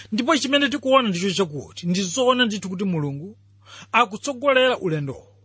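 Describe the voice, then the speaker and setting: A man's voice: sits high, bright, forceful tone, slightly rough, dry recording. A man teaching from the Bible in a radio sermon, explaining and putting questions to listeners. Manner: didactic, addresses listeners with questions.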